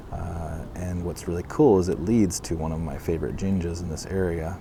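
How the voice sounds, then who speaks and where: A man speaks at a moderate pace with a very deep, low pitch. Noticeable background noise and audible room echo surround him. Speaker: vlogger. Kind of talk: vlog. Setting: outdoors. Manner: quiet, talking softly.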